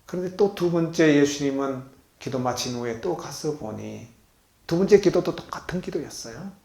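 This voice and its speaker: A male pastor with a slightly high, gravelly voice preaches to his congregation, recorded in an echoey hall. He keeps asking the room questions and swings from loud bursts to hushed words. The sermon rings through the hall at a retreat center. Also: animated, normal speed.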